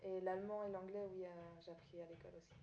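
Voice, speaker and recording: A woman's voice: fairly low pitch, level tone, quick pace, a little hiss or hum. A young woman whose first language is Italian, answering interview questions with frequent hesitations and restarts. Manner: hesitant, many fillers and restarts. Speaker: student teacher. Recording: dull echoey room recording.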